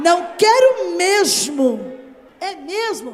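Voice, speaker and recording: In an animated tone, a woman speaks at an extremely high pitch, with audible room echo and noticeable background noise. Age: 60s. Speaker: missionary preacher. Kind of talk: sermon. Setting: church.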